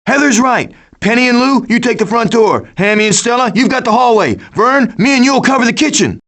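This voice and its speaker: A man voicing a cocky, wisecracking raccoon who leads a band of foraging animals, with glib, sarcastic delivery in an animated video game style. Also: extremely high pitch, fairly quick. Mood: urgent, bossy.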